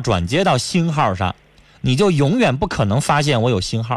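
Over a quiet background, a man speaks at a fairly quick pace. His medium-pitched voice makes very wide pitch swings. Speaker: radio host, relationship advisor. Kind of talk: call-in advice show. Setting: radio studio.

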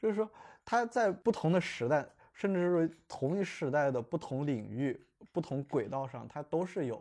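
At a moderate pace, the speaker uses lively intonation in a dark, mellow tone over a quiet background. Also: man, fairly high pitch for a man. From China, Kunming, Yunnan. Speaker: writer and social media commentator. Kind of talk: casual debate.

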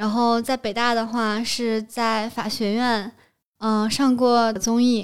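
On a very clean recording with a silent background, a woman speaks at a very slow pace with fairly high pitch and monotone, flat intonation. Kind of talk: casual chat.

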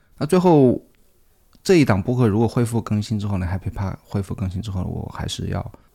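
Lively intonation colors the dark, mellow tone of this man's voice. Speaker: podcast host. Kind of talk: solo podcast monologue. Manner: casual, with frequent filler words.

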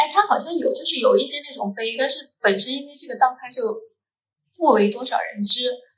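Her voice high-pitched, a woman speaks at a fairly quick pace with very wide pitch swings and big swings in loudness. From Pingliang, Gansu, China. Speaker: podcast guest. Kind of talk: casual chat. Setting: conference room.

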